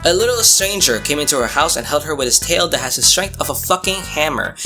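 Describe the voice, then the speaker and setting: A man's voice: on the high side, lively intonation, a little fast, pushed and bright, faint music behind. A man delivering comedic scripted commentary as a video reviewer, with an exaggerated, sarcastic, mock-exasperated manner. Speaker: manga review YouTuber.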